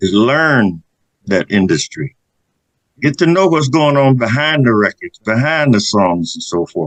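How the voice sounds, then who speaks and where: With an American accent, a man speaks at a fairly slow pace and medium pitch, swinging his pitch very widely, the sound dry and close with no echo. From Detroit, Michigan (born West Virginia). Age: 70s. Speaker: singer. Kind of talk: interview.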